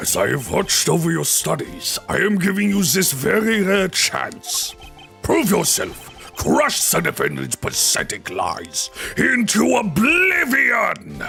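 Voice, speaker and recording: Over clear background music, a man uses a put-on character voice at a fairly slow pace. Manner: menacing, grandiose.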